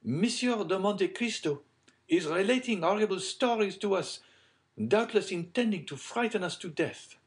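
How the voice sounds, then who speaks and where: A man's voice: high-pitched, lively intonation, normal speed, voice pushed up. A man voicing a haughty, sly society lady in a storybook, genteel and pointed in manner. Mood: cool, knowing.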